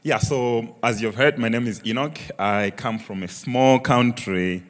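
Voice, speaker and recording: A man's voice: mid-range voice, a little slow. A young man from Malawi with a Malawian accent, sharing his story earnestly in an onstage church interview. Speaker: church member guest. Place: large church auditorium, on stage. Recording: reverberant church hall.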